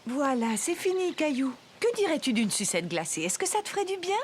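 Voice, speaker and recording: A woman voicing a patient, caring young mother in a French-language children's cartoon, gently explaining things. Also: sits high, big pitch swings, brisk, a little hiss or hum. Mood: comforting.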